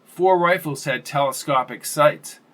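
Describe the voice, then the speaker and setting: A man reading thriller narration in a steady, measured way. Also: fairly high pitch. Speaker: audiobook narrator.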